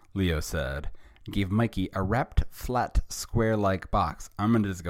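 The clip is plain reading aloud. It stays plain reading aloud from start to finish.

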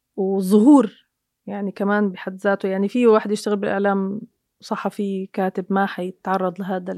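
A woman with a Syrian accent and a dark, mellow tone, fairly even intonation, dry, close sound with no echo and a very clean recording with a silent background. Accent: Levantine Arabic (Syrian). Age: 30s. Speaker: TV presenter. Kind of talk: interview.

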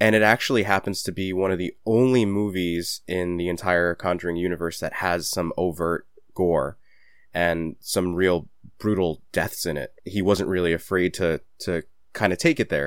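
In a very clean recording with a silent background, a man with a New York accent speaks at a moderate pace in a very deep, low pitch. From New York, Queens. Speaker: horror film reviewer. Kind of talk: casual chat.

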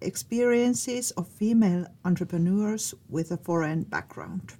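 With a Finnish accent, a woman talks at a moderate pace in a dark, mellow tone with lively intonation. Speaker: podcast host and vocational teacher. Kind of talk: casual chat.

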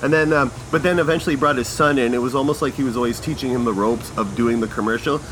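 Very fast speech from a man amid noticeable background noise. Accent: Canadian. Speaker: podcast host. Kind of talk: casual comedic monologue. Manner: irreverent, chatty.

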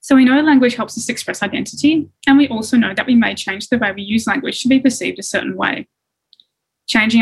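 Fairly quick speech in a Melbourne accent with ordinary pitch variation. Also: woman. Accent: Australian, somewhat Melbourne city-leaning. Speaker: user researcher. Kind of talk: talk to an audience.

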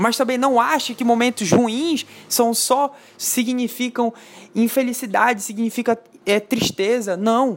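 A woman speaks at a fairly slow pace with fairly even intonation. Noticeable background noise is present. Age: 20s. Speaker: podcaster. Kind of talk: solo monologue podcast. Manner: halting.

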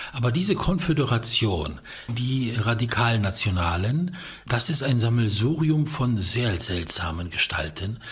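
With audible room echo, a man speaks at a fairly slow pace in a somewhat breathy voice, his loudness very even and his pitch swinging very widely. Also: medium pitch for a man. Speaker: radio host. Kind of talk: radio discussion programme. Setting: studio. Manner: formal.

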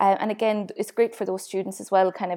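A woman's medium-pitched voice with vocal fry, a dark, mellow tone and fairly even intonation, in a very clean recording with a silent background. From not Scotland, moved to Aberdeen. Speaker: university lecturer. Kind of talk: casual interview chat. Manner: relaxed, friendly.

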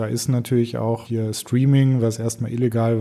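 A dark, mellow tone with monotone, flat intonation at a moderate pace. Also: man. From Stuttgart, Germany. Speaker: filmmaker and festival organiser. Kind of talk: casual chat.

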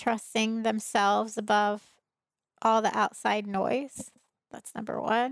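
This woman speaks in an American accent at a moderate pace, her pitch fairly high. The recording is very clean with a silent background, and the sound is dry and close with no echo. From Trenton, New Jersey. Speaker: beauty brand founder. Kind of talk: casual interview.

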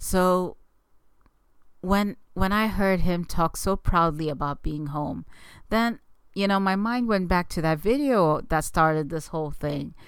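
A woman with a normal speaking voice talks at a fairly slow pace in a medium pitch with ordinary pitch variation, on a very clean recording with a silent background. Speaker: podcast host. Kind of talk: solo monologue, personal commentary.

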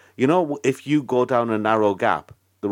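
A man talks with a northern English accent. The recording is very clean with a silent background, and the sound is dry and close with no echo. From northern England. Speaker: podcast host. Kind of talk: casual chat.

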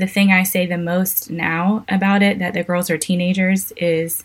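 A somewhat breathy, medium-pitched female voice with monotone, flat intonation at a fairly slow pace. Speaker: mother and educator. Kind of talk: interview.

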